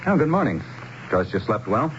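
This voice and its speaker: A low-voiced, genial small-town man, explaining things with folksy resignation. His pitch swings expressively. The sound is a dull, noisy old radio drama broadcast. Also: very animated, normal speed.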